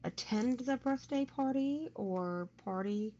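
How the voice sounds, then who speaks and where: Slow-paced woman on muffled audio. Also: a little high, mellow. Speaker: co-host presenting stories. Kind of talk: reading light news on a casual show. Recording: dull audio with faint background noise.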